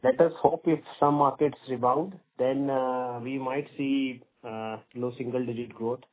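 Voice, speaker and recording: On a narrow, tinny phone line, a male company executive with an Indian accent answers questions. His phrasing is halting and measured, at an ordinary mid-range pitch. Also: steady tone. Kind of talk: spontaneous business conference call answers.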